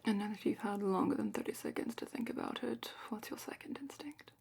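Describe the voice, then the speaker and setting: A woman playing a calm, probing dragon-academy examiner in a whispered ASMR roleplay, speaking softly and deliberately with thoughtful pauses. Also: medium pitch. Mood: probing, musing. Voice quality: soft, breathy whisper.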